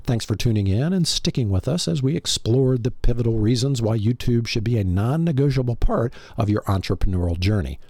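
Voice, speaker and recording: A male podcast host gives a scripted motivational talk straight to the listener. His low, mellow voice has a husky edge and moves in lively swings, recorded very dry. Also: no room sound. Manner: rhetorical, addressing the listener directly.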